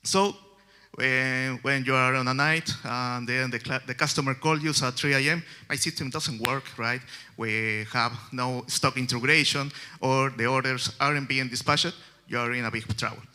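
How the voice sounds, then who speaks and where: Chilean man presenting at a developer conference, very bright tone, halting English. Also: medium pitch, steady tone, smooth. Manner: halting, many fillers and restarts, non-native phrasing. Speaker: conference speaker. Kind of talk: technical conference talk. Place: conference stage.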